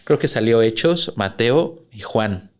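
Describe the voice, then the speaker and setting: A man co-hosts a laid-back podcast in an average-pitched voice. He explains at length, pausing often and filling the gaps with hesitant fillers. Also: animated. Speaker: podcast co-host. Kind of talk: casual podcast chat.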